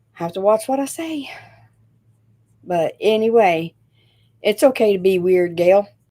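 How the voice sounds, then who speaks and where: A woman with an American accent, a fairly high pitch, a dark, mellow tone and lively intonation, speaking at a fairly slow pace. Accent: strong country. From northern Indiana, then Tennessee from age eleven. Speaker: DIY and crafts YouTuber. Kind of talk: casual livestream chat. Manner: lazy, slurred articulation.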